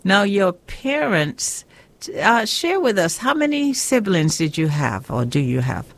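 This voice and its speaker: A woman's voice: medium pitch, very animated, a little slow. A woman hosting a Christian radio interview program, speaking in an earnest, preaching tone and reading scripture aloud. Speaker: radio show host.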